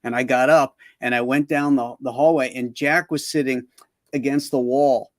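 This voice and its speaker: A man's voice: medium pitch, fairly even intonation, moderate pace, no echo, clean studio sound. Chatty man hosting an interview. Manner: chatty, laughs often while telling anecdotes. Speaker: show host. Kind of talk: casual interview chat.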